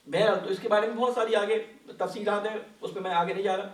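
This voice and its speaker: High-voiced man teaching in an echoey mosque. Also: steady tone, far from the mic. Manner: patient, asks the class questions and answers them. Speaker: Quran study teacher. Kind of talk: explanatory religious lesson. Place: mosque hall. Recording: echoey hall, voice from off-mic.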